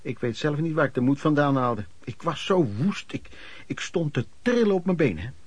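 A man's voice: fairly high pitch, expressive, normal speed, slightly rough, no room sound. An actor in a Dutch radio play playing a wry, plain-spoken pedlar recounting his wanderings. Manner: colloquial, matter-of-fact storytelling. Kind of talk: dramatised first-person narration.

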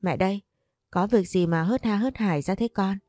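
A woman voicing a weary, tender old grandmother who speaks gently. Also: medium pitch, normal speed, dry recording, faint music behind, close to an everyday voice.

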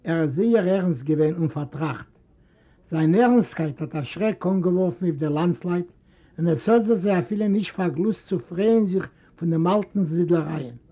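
A male reader from Eastern Europe, a native Yiddish speaker, narrating a novel in a steady, measured way. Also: high voice, breathy edge. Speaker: audiobook reader. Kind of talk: read-aloud literary narration. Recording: dull lo-fi recording.

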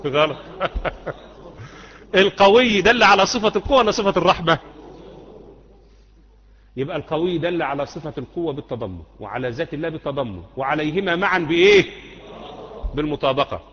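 A man's voice: a little high, lively intonation, a little fast, long pauses, fairly bright tone. A man with an Egyptian Arabic accent teaching Islamic creed, quizzing students and repeating points until the class answers. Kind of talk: classroom lecture with questions to students. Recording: muffled lecture hall recording with long echo.

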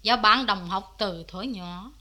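A woman's voice: mid-range voice, takes it slowly, pushed and bright. An actress playing a sincere young woman testifying for her childhood friend in a cải lương drama. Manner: earnest, composed testimony.

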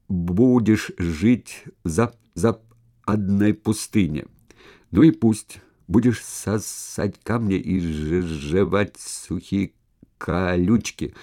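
A man's voice: on the low side, warm tone, pitched above the performer's own voice. A man voicing a tall stuttering man past middle age who stumbles over his words, in an audiobook. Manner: heavy stutter, slow halting speech.

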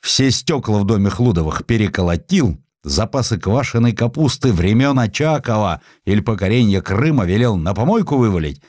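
A man's voice: fairly low pitch, animated, normal speed, hardly any pauses, a little mellow, dry recording, clean studio sound, pitched above the performer's own voice. A man voicing a young hussar's gossipy friend, telling exaggerated anecdotes as a warning in an audiobook.

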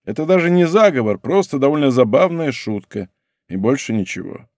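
A man's voice: medium pitch, expressive, fairly quick, a little mellow, dry recording, clean studio sound, close to an everyday voice. A man reading an audiobook, voicing a proud king who speaks coldly and sarcastically. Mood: cold mockery. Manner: cold, sarcastic, restrained. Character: cold, proud, mocking young king.

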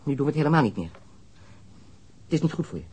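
An actor playing a defensive young male smuggler under police questioning in a radio drama, evasive and quick to protest. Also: on the high side, big pitch swings, darkish tone, slightly rough. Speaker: suspect under interrogation.

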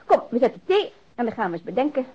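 A woman's voice: fairly high pitch, very animated, quick pace, breathy edge. An actress playing a homely, teasing woman companion in a Dutch radio drama, informal and bustling. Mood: bustling, chiding. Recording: muffled archived radio drama recording.

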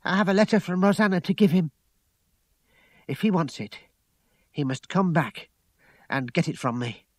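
Male narrator as young working woman, raised pitch, bitter, emotional, accusing, swooping intonation, audiobook drama. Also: animated, normal speed, pauses often, no room sound. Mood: angry, defiant.

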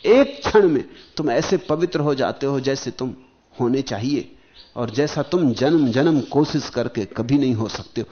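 Man giving a slow, swelling spiritual discourse. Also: mid-range voice, animated, lo-fi sound, a little hiss or hum. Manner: slow, rhythmic, rising and falling emphasis; chants verses slowly. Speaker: spiritual teacher.

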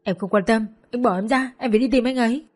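A woman's voice: fairly high pitch, quick pace, a little mellow, slightly rough, pitched above the performer's own voice. A woman voicing a desperate, grieving young woman who begs through tears. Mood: insistent. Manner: begging, sobbing pleas.

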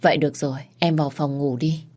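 A woman voicing a gentle, protective young man who speaks soothingly and tenderly, in a storybook reading. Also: low voice, fairly even intonation, quick pace.

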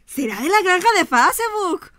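A woman playing a sarcastic young office assistant in a radio comedy sketch, delivering slow, mocking remarks. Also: extremely high pitch, big pitch swings, fairly bright tone, no echo, studio quality, exaggerated voice.

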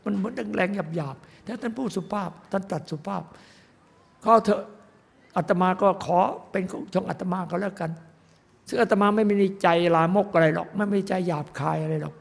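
Emphatic older monk preaching in a hall. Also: male voice, high voice, normal speed, gravelly, breathy edge. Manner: emphatic, rambling, repetitive. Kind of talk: sermon. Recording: echoey hall.

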